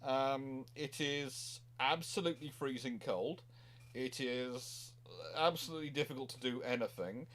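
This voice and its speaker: A man with a medium-pitched voice talks casually as a show host. He explains in a rambling, digressive way, often doubling back and repeating words as he goes. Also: measured pace, a bit bright. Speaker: naval history show host. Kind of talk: casual panel chat.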